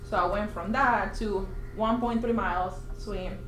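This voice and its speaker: A woman from Puerto Rico telling a personal story at a team meeting, chatty and animated, acting out quoted remarks. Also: mid-range voice, measured pace. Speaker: interviewed agent. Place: office meeting room. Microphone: far room camera. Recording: echoey room, faint hiss.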